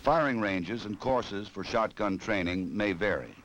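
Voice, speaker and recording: Casting: American man, lowish voice, measured and authoritative 1960s training film narrator, noisy vintage film audio. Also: fairly bright tone. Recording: noisy old film soundtrack.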